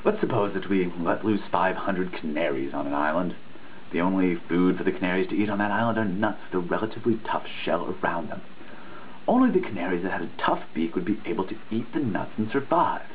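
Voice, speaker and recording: This deep-voiced man reads a dissertation briskly with lively intonation. He sounds earnest, emphatic and preachy in his dramatic rendering, now and then tripping over words, heard through a tinny, phone-like recording with faint noise.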